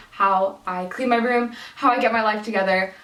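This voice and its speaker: Heard here is a woman with a fairly high pitch. Noticeable background noise is present. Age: 20s. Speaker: lifestyle vlogger. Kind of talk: casual vlog talk. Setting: bedroom at home.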